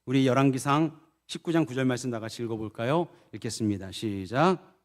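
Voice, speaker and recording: A middle-aged man preaching a sermon as pastor, asking the congregation questions and acting out the prayers he quotes in a low, soft voice. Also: fairly quick. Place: church sanctuary. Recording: long church reverb.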